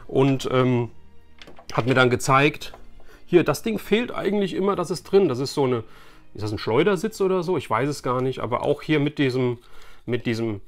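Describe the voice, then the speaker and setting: A man's voice: medium pitch, expressive, moderate pace, soft background music. Chatty, enthusiastic man from Germany. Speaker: YouTube host, toy collector. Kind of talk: casual chat to camera. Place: small furnished room lined with shelves of collectibles.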